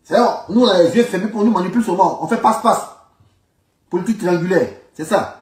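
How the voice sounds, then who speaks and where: A man's voice: high-pitched, fast talker, darkish tone. A man with an Ivorian accent delivering an informal political rant in an emphatic, repetitive, indignant manner. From Ivory Coast. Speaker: online political commentator. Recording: roomy echo, distant microphone.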